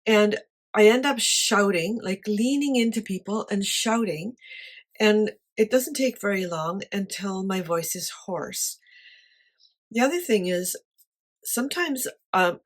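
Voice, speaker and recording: A woman with a quiet voice talking casually to camera about her life, light-hearted and honest in manner. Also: mid-range voice. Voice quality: quiet voice that does not carry. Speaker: artist sharing life advice.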